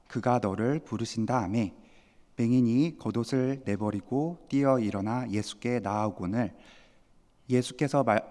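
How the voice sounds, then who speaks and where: A man reading a Bible passage aloud in a measured, solemn manner during a church service. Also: medium pitch, mellow. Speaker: scripture reader. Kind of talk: formal scripture reading. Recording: long church hall reverb.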